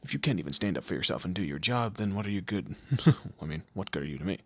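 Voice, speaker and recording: A man playing a commanding, teasing demon lord in an audio roleplay, with a low gravelly, husky voice and an imperious, theatrical manner. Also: animated, fast talker, pushed and bright, dry recording, full character voice. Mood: probing, menacing. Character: male demon lord, commanding, menacing, teasing boss of hell. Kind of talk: scripted audio roleplay addressed to the listener.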